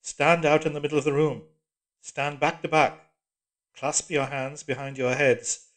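A man's voice: a little high, flat delivery, a little slow, a bit bright. A man voicing a cold, commanding machine voice from a hidden telescreen, barking clipped orders in an audiobook. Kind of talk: audiobook character voice.

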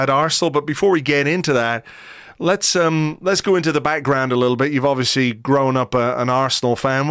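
Host, middle-aged man, resonant smooth voice, dry close mic, unhurried wordy questioning. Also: medium pitch, fairly bright tone, no echo. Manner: measured, wordy questions with restarts. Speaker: podcast host. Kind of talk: conversational interview.

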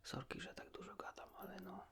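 A man speaking in a hushed, breathy whisper, chatting casually and confidingly as if to a friend in an ASMR style. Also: high-pitched, fairly quick. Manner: colloquial, rambling, ends phrases with a tag question. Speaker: ASMR creator talking to the listener as a friend.

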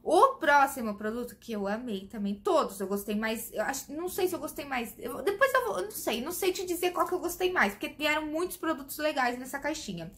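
A woman's voice: high-pitched, animated, fairly quick, few pauses, fairly bright tone. A woman from Brazil chatting casually to camera, enthusiastically reviewing and demonstrating beauty products for her viewers. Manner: demonstrating products while talking. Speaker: beauty vlogger.

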